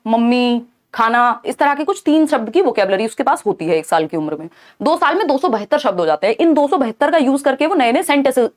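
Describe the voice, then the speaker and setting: A young adult woman teacher giving an exam-prep lecture, explaining step by step and often checking in with her students. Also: high-pitched.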